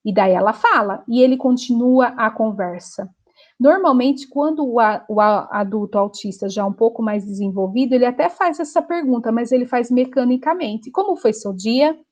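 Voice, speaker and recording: A woman's voice: on the high side, moderate pace. A middle-aged woman teacher with a Brazilian accent, giving a chatty lecture full of little fillers. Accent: Brazilian Portuguese. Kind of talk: lecture on autism.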